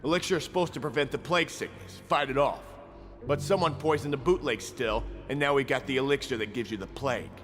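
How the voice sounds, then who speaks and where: An actor playing a dim, chatty street gang thug in a video game, rambling and explaining things earnestly. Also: male voice, mid-range voice, fast, fairly bright tone, soft background music, lightly acted. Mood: musing. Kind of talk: video game character banter.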